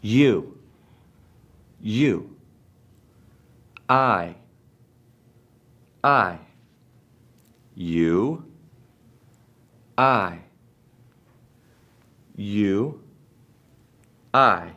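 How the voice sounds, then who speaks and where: A male teacher from the United States leading an English class, speaking slowly and deliberately and repeating words for his students. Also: on the low side, animated, sharp tone, highs cut off. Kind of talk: slow classroom drill.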